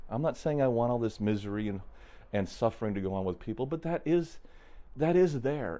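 A man's voice: mid-range voice, dark tone. A man hosting a solo podcast, thinking aloud in a reflective, unscripted way with frequent restarts. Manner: thoughtful, musing, frequent restarts, chuckles. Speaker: podcast host. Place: traveling in an RV.

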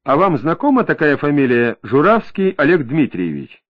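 A calm, probing young detective, read by a male narrator, who asks his questions in a measured, slightly ironic tone. His pitch moves in lively curves. The audio is narrow and tinny, as if heard down a phone.

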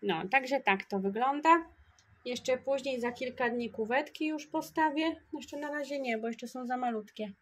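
A woman with a high voice talks in an unhurried, easygoing way, as if to friends. She thinks aloud while putting groceries away in her kitchen, with a chatty vlogger's manner. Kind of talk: casual chat to viewers. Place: home kitchen.

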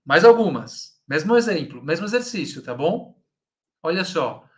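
Teaching Italian live online, this Brazilian-accented man uses a fairly high, sing-song voice at normal speed. He corrects each student patiently by name and keeps asking "tá?" to check in.

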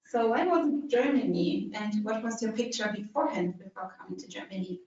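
A woman's voice: a little high, expressive, brisk, darkish tone. A woman presenting a webinar and moderating an interview in an upbeat, encouraging way. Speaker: webinar host. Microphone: video call. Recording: echoey distant muffled call audio.

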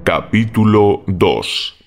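A man's voice: on the low side, lively intonation, extremely slow, vocal fry. A man announcing podcast intros and titles from a script.

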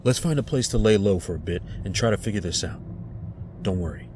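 A protective male agent acted by a man in an audio drama, earnest and reassuring. His voice is deep, with faint vehicle noise behind it. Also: expressive, a little fast. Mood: reassuring, resolute.

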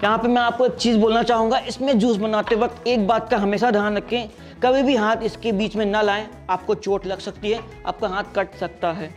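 A young man with a fairly high voice gives a chatty, lively product review vlog. He talks casually and demonstrates as he goes, with faint music playing behind him. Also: a little fast. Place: small indoor studio set with striped backdrop.

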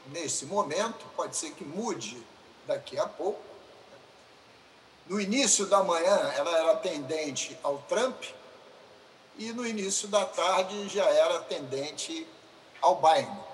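A man with a Brazilian Portuguese accent giving a formal, deliberate speech in a legislative chamber, addressing a colleague formally. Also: sits high, fairly bright tone. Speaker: state deputy. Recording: roomy chamber sound with faint hiss.

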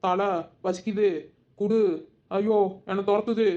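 A woman's voice: medium pitch, little pitch movement, unhurried, darkish tone, highs cut off, natural voice. A woman voicing a flustered young village woman in a cartoon, who wails and repeats herself frantically. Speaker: cartoon character.

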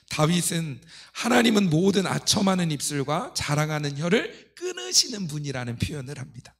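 Higher-voiced middle-aged male pastor preaching. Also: fairly bright tone. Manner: didactic, asking rhetorical questions and leading readings. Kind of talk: sermon, expounding scripture to a congregation. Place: church pulpit, indoors.

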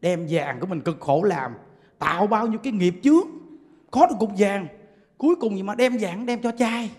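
A man preaching a Buddhist sermon, telling animated stories and often laughing. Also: sits high, normal speed. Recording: long hall reverb.

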